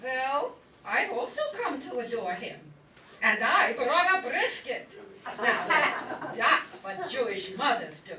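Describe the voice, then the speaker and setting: Woman acting a high, pushy Jewish mother. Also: very animated, slow pace, a crowd in the background, exaggerated voice. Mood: needling. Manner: melodramatic, kvetching, exasperated. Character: pushy guilt-tripping Jewish mother of Mary, new grandmother. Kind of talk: live comic radio play acting. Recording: distant echoey room, some noise.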